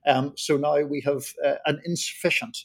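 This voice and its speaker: A man from Belfast with a Northern Irish accent, giving measured, wordy commentary as a panellist, with dry understatement. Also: fairly high pitch, fairly even intonation. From Belfast, Northern Ireland. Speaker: journalist, roundtable panellist. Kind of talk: conversational political commentary.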